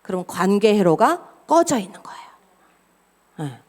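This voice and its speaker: A woman's voice: mid-range voice, big pitch swings, measured pace, a little mellow. A middle-aged woman pastor giving a sermon, laughing often and acting out quoted dialogue.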